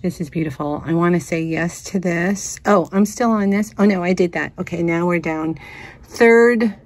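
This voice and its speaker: A woman's voice: fairly low pitch, normal speed, no echo. A woman vlogging as she sorts vintage jewelry in an antique store, thinking aloud and chatting as she goes. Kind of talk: casual thrifting narration. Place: inside a cluttered antique store.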